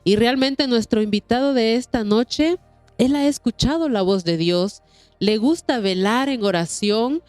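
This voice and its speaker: A woman hosts a Christian testimony programme, with faint music in the background of an echo-free recording. Her voice is fairly high, a little mellow and a little slow. Her warm interview talk is courteous, devout and repetitive.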